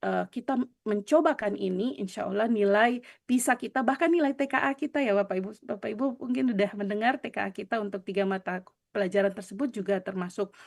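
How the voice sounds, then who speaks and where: Against a quiet background, a woman talks very fast at a medium pitch with lively intonation. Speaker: lecturer training teacher educators. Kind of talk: lecture. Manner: halting.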